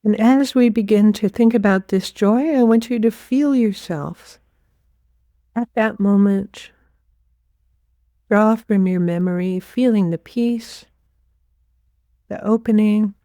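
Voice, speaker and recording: A woman leading a guided meditation as a teacher, giving gentle, unhurried instructions with pauses. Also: medium pitch, no room sound, clean studio sound.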